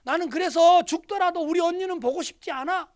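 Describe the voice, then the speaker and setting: A man acting out a dying young woman, a patient, who pleads and speaks with resentment in high outbursts. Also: brisk. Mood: resentful.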